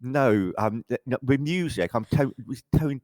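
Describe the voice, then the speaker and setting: A man's voice: mid-range voice, lively intonation, measured pace, a little mellow, no room sound. A middle-aged English man, a photographer, chatting casually in an interview and often restarting his sentences. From England. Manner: rambling, self-correcting, frequent stammered restarts. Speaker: photographer guest.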